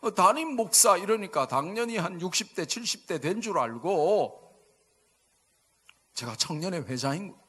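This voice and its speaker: Pastor in his 50s, Busan accent, lively and jokey, slightly higher voice, church sermon. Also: normal speed, slightly rough. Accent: Busan Gyeongsang dialect. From Busan, South Korea. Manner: animated, jokey, asks the congregation for replies. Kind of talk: humorous storytelling sermon. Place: church sanctuary.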